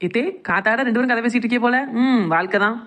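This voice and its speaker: Woman acting a fast-talking cheeky young daughter-in-law. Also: on the high side, a bit bright, lightly acted. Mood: teasing. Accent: southern Tamil Nadu. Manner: teasing, mock-innocent. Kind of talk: cartoon comedy drama dialogue.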